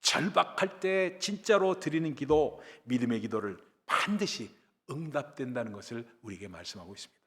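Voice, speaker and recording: A male pastor preaching a sermon, telling a story with dramatic swings between loud and quiet. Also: medium pitch, expressive, normal speed, long reverb tail.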